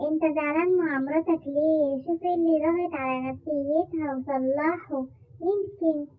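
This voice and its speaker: High-voiced scolding Egyptian woman. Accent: Egyptian Arabic. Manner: indignant, scolding, repeats herself. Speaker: video creator. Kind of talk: ranting commentary vlog. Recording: tinny phone-like audio.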